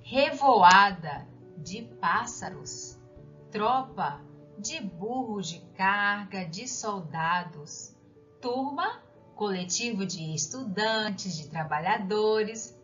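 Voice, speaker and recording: A woman teacher giving a recorded lesson, speaking slowly and clearly and putting questions to the listener. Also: medium pitch, expressive, a bit bright. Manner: slow, clear, didactic, asks the listener questions. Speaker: primary school teacher. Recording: dull lo-fi sound with faint background music.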